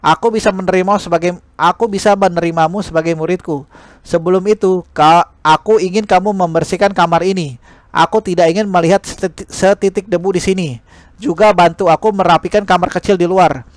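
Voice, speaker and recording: A man's voice: high voice, fairly even intonation, fairly quick, no echo, lightly acted. A man voicing a stern, dismissive male teacher in an audiobook, speaking in a curt and commanding manner. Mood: demanding.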